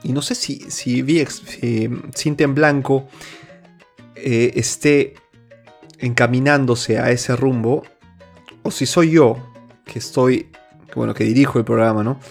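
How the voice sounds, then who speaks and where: A man's voice: mid-range voice, fairly even intonation, a little slow, creaky, pauses often. Man from peru, show host, earnest opinion monologue, stumbling restarts, faint music behind. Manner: earnest, many restarts and fillers.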